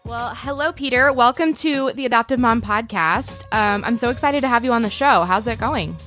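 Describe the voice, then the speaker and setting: A woman's voice: fairly high pitch, moderate pace, fairly bright tone, soft background music. A woman in her thirties hosting a podcast interview, upbeat and chatty, laughing easily as she asks questions. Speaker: podcast host. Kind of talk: casual interview chat.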